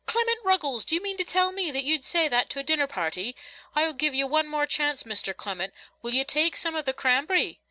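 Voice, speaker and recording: A woman's voice: high-pitched, lively intonation, a little fast, few pauses, bright, forceful tone, no room sound, voice pushed up, heavily acted, low-quality recording. A woman voicing a bossy, sarcastic but loving working-class mother who scolds and instructs in folksy rustic dialect, as in a storybook reading. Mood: brisk scolding.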